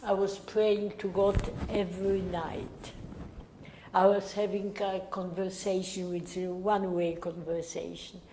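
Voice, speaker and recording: An elderly woman from Poland, giving Holocaust survivor testimony in a halting, unhurried way that sometimes sinks to a near whisper. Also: mid-range voice, little pitch movement, background noise. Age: older. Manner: slow, halting, drops to a near whisper at times. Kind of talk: recorded oral history interview.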